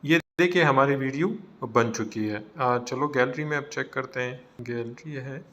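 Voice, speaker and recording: A man with a South Asian accent gives a casual software tutorial, explaining informally step by step. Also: medium pitch, unhurried. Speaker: tutorial presenter. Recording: noticeable background noise.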